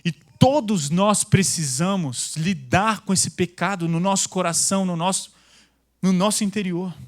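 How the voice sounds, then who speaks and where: Male pastor, high voice, intense and loud, casual slang, church sermon. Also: a little slow.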